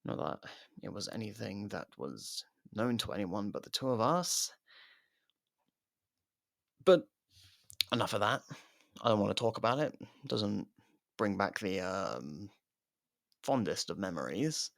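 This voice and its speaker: Guy doing a sardonic convict murderer, asmr roleplay, taunting and sweary, lowish creaky voice, super dry close mic. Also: big pitch swings, unhurried, long pauses, no room sound, full character voice. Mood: indignant pride, then smug, goading. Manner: taunting, mocking, casually profane. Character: sardonic imprisoned murderer reluctantly partnered with a detective.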